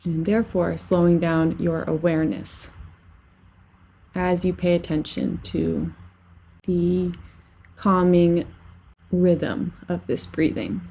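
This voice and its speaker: Female meditation guide, soft-toned and mellow with noticeable vocal fry, gentle and unhurried. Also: little pitch movement, rough recording. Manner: soothing, gentle, unhurried guiding with long pauses. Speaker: meditation and yoga teacher. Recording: lower-quality microphone.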